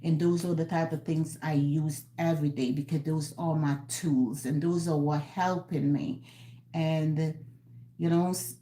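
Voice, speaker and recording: A woman's voice: low voice, mellow, reverberant. A woman in her sixties talking casually on a live stream from her home, earnest and encouraging, often repeating herself. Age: 60s. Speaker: vlogger.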